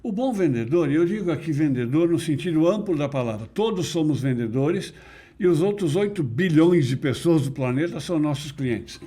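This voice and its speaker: A middle-aged man being interviewed, explaining ideas in a measured, didactic way with emphatic stresses. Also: a little high, animated, dark tone, breathy edge. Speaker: interview guest, NLP teacher. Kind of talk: conversational explanation.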